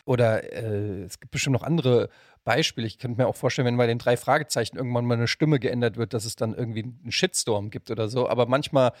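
A man's voice: mid-range voice, fast talker, dry recording, studio quality. A man, hosting a casual interview as a podcast host.

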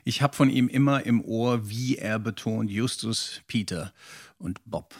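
Gravelly, lower-pitched man interviewing. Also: unhurried. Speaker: podcast co-host and interviewer. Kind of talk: casual podcast interview chat.

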